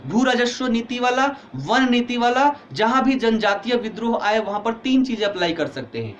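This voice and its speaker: A man's voice: very high voice, animated, normal speed, highs cut off. Man, teacher, online lecture, tired, headache, questions students, faint background noise. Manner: explains step by step, asks students questions. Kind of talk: online exam-prep history lecture.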